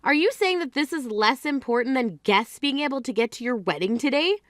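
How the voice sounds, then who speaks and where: A woman's voice: high-pitched, lively intonation, brisk, dry recording, studio quality. A woman playing an indignant grieving sister. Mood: exasperated. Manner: scolding, exasperated. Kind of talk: scripted drama acting.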